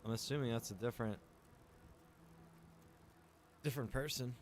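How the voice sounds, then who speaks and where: A man giving casual livestream commentary on a game, rambling and thinking out loud. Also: medium pitch, normal speed, slight background noise. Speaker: game streamer.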